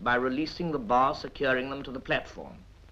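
Upbeat tone from a man at a moderate pace. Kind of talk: vintage wartime training film narration. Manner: formal, brisk, instructional; crisp, measured, dryly upbeat. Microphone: old recording.

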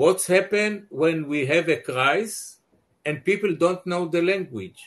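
A man at a high pitch and a fairly slow pace over a quiet background. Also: ordinary pitch variation. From Israel. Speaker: panelist, former local government official; panelist. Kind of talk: panel discussion. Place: office. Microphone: video call.

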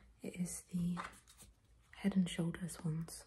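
The woman's voice is somewhat breathy. Background noise is noticeable. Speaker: vlogger. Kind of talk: casual vlog chat. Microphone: phone near.

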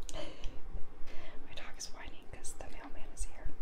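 The speaker is soft-spoken and talks at a very slow pace. Loud background noise runs underneath. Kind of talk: casual vlog chat. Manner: soft-spoken ASMR murmur. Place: home room. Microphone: phone near.

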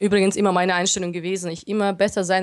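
Her delivery very fast, a woman speaks in a monotone, flat intonation. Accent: slight Swabian. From Swabia, southwestern Germany. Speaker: network marketing executive. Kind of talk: interview.

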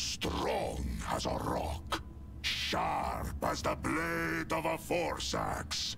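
A man puts on a character voice. He speaks very slowly over loud background noise. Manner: menacing.

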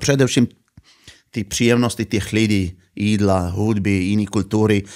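Against a quiet background, a man with a Slovenian accent speaks at a fairly slow pace with fairly even intonation. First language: Slovenian (speaking Czech). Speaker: motorcycle traveller; podcast guest. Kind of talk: casual interview. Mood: relaxed, amused storytelling. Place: studio. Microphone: studio mic.

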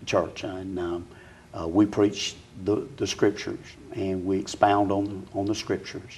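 A man with a Southern US accent, fairly low in pitch, at a fairly slow pace. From Mississippi Gulf Coast. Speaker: pastor. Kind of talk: casual interview. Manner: halting, many fillers. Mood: warm, earnest. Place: church. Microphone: lapel.

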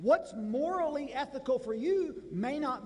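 A man speaks at a fairly slow pace, his slightly mellow tone carried by lively intonation.

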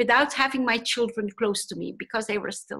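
A woman speaks in a raised, projected voice with a bright, sharp tone against a quiet background. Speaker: coach, podcast guest. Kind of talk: interview answer. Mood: reflective, emotional personal story. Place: home room. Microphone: webcam.

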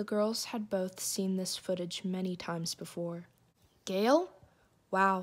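A woman speaks very slowly at a medium pitch with ordinary pitch variation, leaving long, frequent pauses, on a very clean recording with a silent background. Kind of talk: audiobook reading of a young adult novel. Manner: measured, even-paced narration with softly voiced dialogue.

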